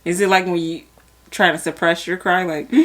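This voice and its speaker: This is a young woman co-hosting a casual podcast. Her voice sits a little low. She talks in loose slang, swears without a second thought and laughs often as she goes. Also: steady tone, measured pace. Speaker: podcast co-host. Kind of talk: casual chat.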